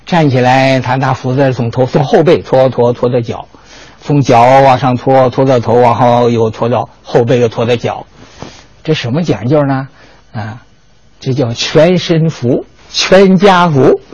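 A man's voice: mid-range voice, husky, no room sound, muffled recording. Guy spinning a history yarn, chatty and dramatic, dry close sound. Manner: lively, colloquial, dramatic asides. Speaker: history lecturer. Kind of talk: storytelling lecture.

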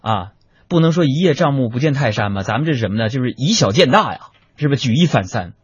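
Husky animated man. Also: medium pitch, fast talker, no echo. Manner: animated, chatty, addresses audience as friends. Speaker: comedian. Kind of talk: comic storytelling monologue. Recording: dry lo-fi recording.

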